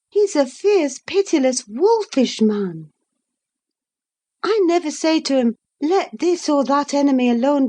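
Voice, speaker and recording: A woman's voice: sits high, warm tone, pitched above the performer's own voice. A woman voicing a proud, scornful young noblewoman who speaks emphatically in an audiobook reading. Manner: emphatic, cutting, declamatory.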